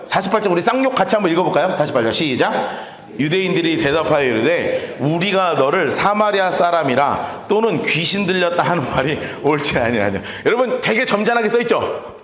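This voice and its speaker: A man preaching a lively sermon, joking and acting out quarrels from the Bible in casual speech. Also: on the high side. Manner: animated, jokey, acts out quarrels in casual speech. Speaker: pastor. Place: church sanctuary. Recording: roomy church hall reverb.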